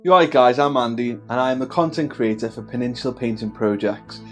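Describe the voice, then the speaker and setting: He's a man in his 30s from the Wirral, England, whose accent has a Scouse edge, casually addressing the camera on his hobby channel. His medium-pitched voice runs a little fast over soft background music. The tone is friendly, with many fillers and false starts.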